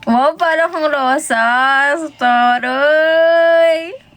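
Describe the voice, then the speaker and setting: A woman's voice: high voice, drawn-out words, fairly bright tone, dry recording. A young Filipino woman chatting casually with viewers on a livestream, giggling and greeting people by name. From Philippines. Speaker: idol livestreamer. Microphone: phone.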